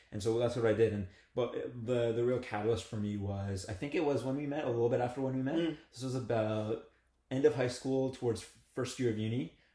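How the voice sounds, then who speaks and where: A man speaks at a fairly quick pace and a medium pitch. He has an ordinary speaking voice with ordinary pitch variation. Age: 20s. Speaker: podcast co-host. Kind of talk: casual chat.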